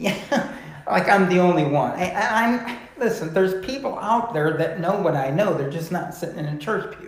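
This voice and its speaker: Noticeable background noise and audible room echo around a high male voice, moderately paced, with ordinary pitch variation. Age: 60s. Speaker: religious discussion guest. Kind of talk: casual chat. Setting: at a home.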